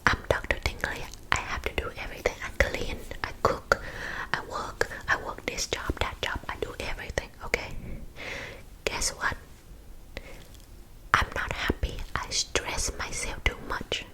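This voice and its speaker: A woman's voice: a little slow, sharp tone, low-quality recording. A woman playing a blunt, encouraging counselor with an East Asian accent in a whispered role-play, often checking in with the listener. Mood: frank, reassuring. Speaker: counselor giving advice.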